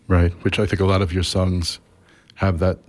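A man hosting an interview, asking measured, thoughtful questions. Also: low voice, flat delivery. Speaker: interviewer host. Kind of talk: radio interview.

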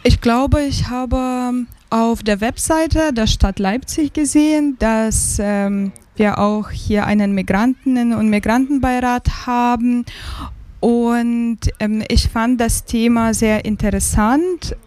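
Slow, hesitant woman from Ukraine. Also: on the high side, a little mellow. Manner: slow and hesitant, many fillers. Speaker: guest, migrant advisory council member. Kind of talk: radio interview.

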